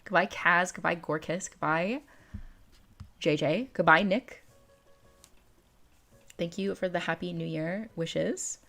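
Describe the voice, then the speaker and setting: Young female streamer, slightly lower-pitched, bubbly and slangy, casual excitable chat with viewers. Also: takes it slowly, long pauses, faint music behind. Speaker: livestream host.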